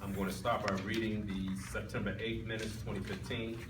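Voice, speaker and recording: A man's voice: lowish voice, level tone, fairly quick. A man acting as commissioner and chair of a public meeting, formally calling the roll and reading minutes aloud in a procedural way, with occasional stumbles. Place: indoor meeting room, picked up from a distance. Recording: distant mic, echoey room, clear background noise.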